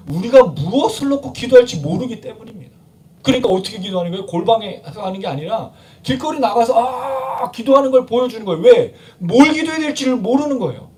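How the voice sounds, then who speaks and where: A male pastor preaches in a church with a high voice, heard from a bit away from the mic. He keeps asking the congregation questions and slips into little acted-out prayers and scoldings. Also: darkish tone, recorded from a distance, a little hiss or hum. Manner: conversational preaching with rhetorical questions; acts out quoted prayers and scoldings. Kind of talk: sermon. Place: church sanctuary.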